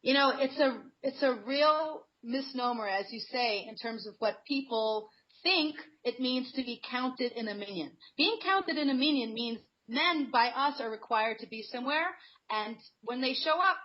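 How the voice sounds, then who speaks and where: A woman's voice: high voice, normal speed. A woman guest on a radio talk show, talking earnestly and conversationally and telling personal anecdotes. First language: not Hebrew. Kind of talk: radio interview, personal storytelling. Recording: muffled lo-fi radio sound.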